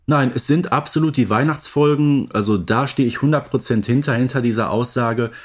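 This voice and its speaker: A man's voice: mid-range voice, brisk, slightly rough. A man co-hosting a podcast in casual, unscripted conversation. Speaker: podcast co-host.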